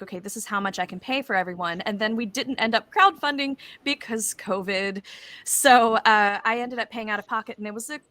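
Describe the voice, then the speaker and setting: A woman's voice: medium pitch, sharp tone, dry recording. A woman speaking as an audio drama creator, recounting her experience in a casual panel discussion.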